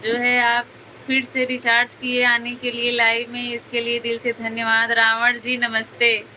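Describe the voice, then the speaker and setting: A woman's voice: fairly high pitch, completely flat delivery, a little slow, pushed and bright. A woman hosting a casual live stream from home, chatting with viewers and greeting them by name. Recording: noisy home ambience behind the voice.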